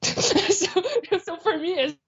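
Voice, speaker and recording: A young woman from Canada, chatting as a guest in a remote interview. She is animated, laughs often and acts out what people said. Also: extremely high pitch, slow pace, muffled recording. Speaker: guest, traveling jiu-jitsu instructor.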